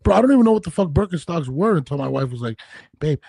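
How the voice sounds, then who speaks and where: Podcast co-host, husky man in his thirties, gravelly, blunt and jokey, close dry mic. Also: on the high side, big pitch swings, rapid-fire, dark tone, no echo. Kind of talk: casual chat.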